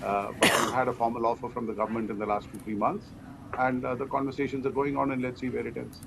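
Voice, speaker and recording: A man giving measured, explanatory answers as a company executive in an interview. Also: medium pitch, little pitch movement. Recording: clearly noisy background.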